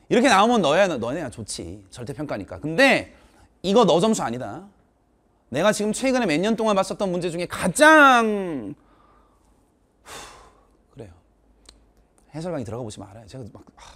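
A man teaching test prep, ranting with exasperation about an exam and speaking straight to his students, moving between polite and casual speech. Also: sits high. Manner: animated, exasperated ranting, addressing students directly. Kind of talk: informal exam commentary to students.

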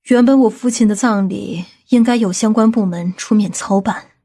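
A woman voicing a composed, decisive aunt in an audiobook drama, measured and matter-of-fact. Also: mid-range voice, mellow, husky. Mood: composed, explaining.

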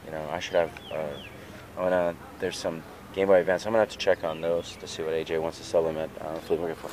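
A man's voice: deep voice, level tone, fast talker, darkish tone, slight background noise. A man filming a casual, rambling walkthrough of his vendor tables at an outdoor street fair on a handheld camera. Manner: chatty, rambling. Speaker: flea market vendor.

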